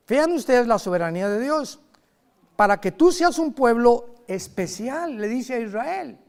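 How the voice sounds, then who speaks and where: Lively preacher man. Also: high voice, clear, resonant tone. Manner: lively, conversational preaching with sudden loud emphasis and quick asides. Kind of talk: sermon.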